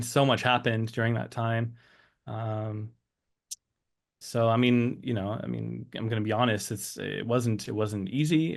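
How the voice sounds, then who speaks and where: A man's voice: lowish voice, gravelly. A man in his thirties from Switzerland and the United States, reflecting on personal experience as an interview guest, often searching for words.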